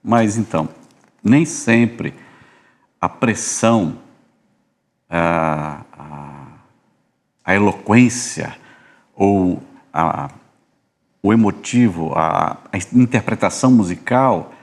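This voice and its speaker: Low-voiced Brazilian man telling stories. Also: expressive, slow pace, creaky, pauses often. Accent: Brazilian Portuguese. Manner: storytelling, rambling with restarts. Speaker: podcast host, music minister. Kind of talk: casual church podcast chat.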